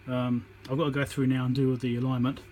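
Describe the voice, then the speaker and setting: Fast and flat in delivery, a medium-pitched male voice with a slightly mellow quality narrates an electronics repair demonstration. He thinks aloud in a casual, practical tutorial shot on a phone on a tripod, with slight background noise present.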